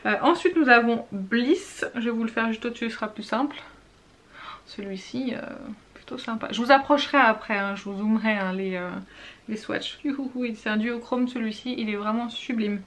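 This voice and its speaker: Woman, slightly high voice; casual gushing beauty vlogger who drops to whispers. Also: normal speed, fairly bright tone. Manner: chatty, gushing, drops to whispers while swatching. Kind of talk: casual makeup swatch review.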